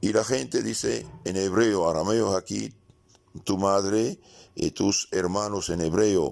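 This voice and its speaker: At a very slow pace, a man with a Middle Eastern accent speaks in a very deep, low pitch with ordinary pitch variation. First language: Aramaic (speaking Spanish). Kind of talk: sermon. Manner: halting, with fillers and repetitions.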